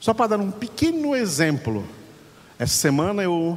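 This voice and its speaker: A normal speaking voice with lively intonation, delivered at a moderate pace. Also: man. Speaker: pastor. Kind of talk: sermon.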